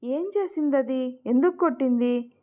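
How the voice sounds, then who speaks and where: A woman voicing a poor, anxious middle-aged father who asks halting, worried questions. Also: sits high, lightly acted.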